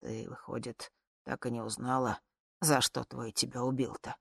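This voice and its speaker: A woman reading an audiobook, voicing an old male dictator who swings from loud grumbling to hushed, sulky muttering. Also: mid-range voice, level tone, moderate pace, gravelly, no echo, clean studio sound. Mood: subdued.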